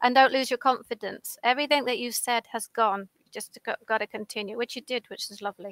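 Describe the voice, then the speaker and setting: A woman with an English accent talks at a fairly quick pace and a high pitch, her intonation fairly even, her loudness swinging widely, hardly pausing, in a dry, close sound with no echo. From England. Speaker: online English tutor and IELTS examiner. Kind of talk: mock exam interview and feedback. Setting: video call. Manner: halting, with filler words.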